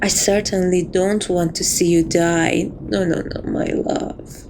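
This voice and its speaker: Casting: woman to play seductive catgirl jewel thief for romantic ASMR, playful and possessive, slow delivery, some background noise. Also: lowish voice, steady tone, creaky, darkish tone, voice pushed down. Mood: soothing, possessive. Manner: teasing, coy, theatrical, affectionate.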